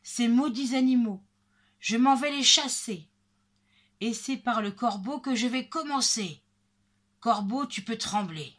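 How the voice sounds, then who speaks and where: A woman's voice: on the high side, measured pace, a bit bright. A woman voicing a big, blustering, angry woodcutter in a storybook, bellowing threats and exclamations. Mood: vengeful threatening.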